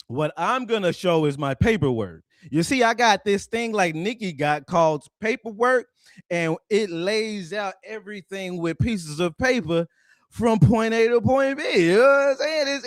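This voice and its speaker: High-voiced man ranting, laughing. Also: dry recording, clean studio sound. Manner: profane, laughing, mocking. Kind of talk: casual ranting commentary.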